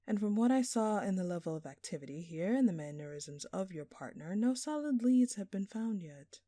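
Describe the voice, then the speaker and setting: Woman acting a smug, flirty jewel thief, softly mellow. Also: mid-range voice, animated, no room sound, clean studio sound, natural voice. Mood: smug, speculating. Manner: teasing, sarcastic, drawn-out theatrical phrasing. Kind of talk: scripted audio roleplay addressed to the listener.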